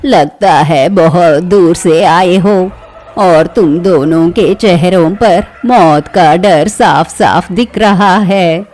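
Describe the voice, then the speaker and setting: A woman's voice: on the low side, a little mellow, soft background music. A woman voicing a stern old village sorceress in a storybook. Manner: slow, commanding, scolding.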